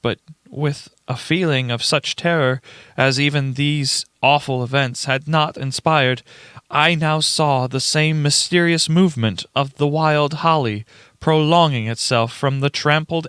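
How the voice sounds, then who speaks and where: Guy reading shaken witness in a radio play, bright clear voice, dramatic n earnest. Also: medium pitch, dry recording, studio quality, close to an everyday voice. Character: shaken, indignant young male witness recounting a horror.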